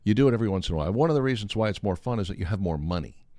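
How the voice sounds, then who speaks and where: A man's voice: on the low side, lively intonation, rapid-fire, mellow, dry recording, studio quality. An American man in his fifties chatting casually as a radio host, telling stories in a wry way. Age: 50s. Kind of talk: casual chat and storytelling.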